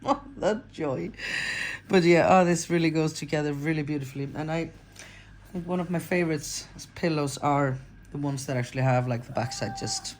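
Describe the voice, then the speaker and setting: A woman in her forties with an Icelandic accent and a low-pitched voice, talking through a crafting tutorial. She speaks casually and rambles, correcting herself and filling gaps as she goes. Faint background noise sits under her voice. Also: brisk, a little mellow. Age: 40s. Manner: chatty, rambling, self-correcting with fillers. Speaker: crochet pattern designer.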